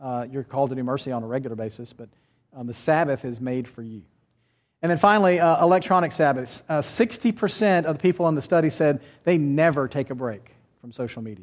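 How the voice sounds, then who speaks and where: With an American accent, a man talks very fast at a fairly high pitch, his intonation lively and his loudness swinging widely, over a quiet background. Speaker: Sunday school teacher. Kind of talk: lecture. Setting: church. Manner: halting.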